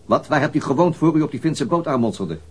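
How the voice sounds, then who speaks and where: A man's voice: a little high, animated, quick pace, husky. An actor playing a stern, methodical male police interrogator in a radio crime drama, with clipped, formal and insistent questioning. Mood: businesslike.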